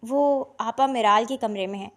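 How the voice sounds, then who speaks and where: A timid, gentle wife, voiced by a woman reader in a storybook drama. She speaks in a soft, hushed, high voice. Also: natural voice.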